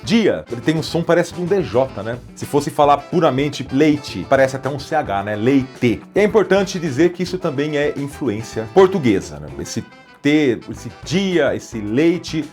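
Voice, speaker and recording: A man's voice: on the high side, normal speed, faint music behind. Brazilian man explaining casually. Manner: relaxed, conversational, with frequent filler hesitations. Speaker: presenter. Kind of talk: educational explainer.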